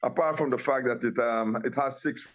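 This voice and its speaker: A man's voice: mid-range voice, normal speed, fairly bright tone, dull audio. A man from Guyana, a tea company owner, talking casually as an interview guest over a remote call, rambling with many restarts and fillers.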